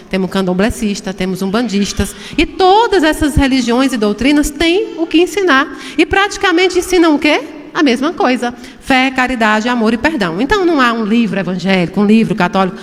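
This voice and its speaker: A woman's voice: high voice, big-room sound. A woman, a spiritist medium giving a chatty lecture to an audience, telling stories and asking rhetorical questions. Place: spiritist center hall.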